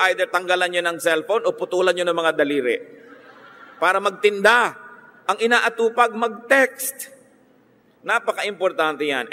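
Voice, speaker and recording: A male pastor with a Filipino accent preaches a sermon in a church, his high voice carrying a big-room sound. He teases his listeners, slips English phrases into his talk, and puts on animated mock voices.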